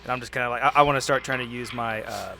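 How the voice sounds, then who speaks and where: Man, tabletop player, bright forceful tone, medium pitch, hesitant, casual, thinking aloud, faint music. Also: fast talker, gravelly. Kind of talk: casual game-table chat.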